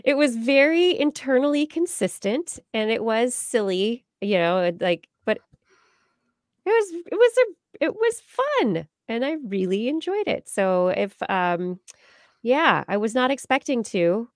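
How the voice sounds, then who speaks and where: Playful and rambling, this middle-aged American podcast host runs a casual livestream chat indoors over a video call, close up on a large microphone mounted on a boom arm. Her voice is on the high side with big pitch swings, her pace measured, with no room sound.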